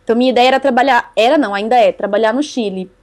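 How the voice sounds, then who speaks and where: A young Brazilian woman, appearing as a guest in a casual interview, describes her bicycle travels. Her voice is fairly high and she races along, chatty and laughing often.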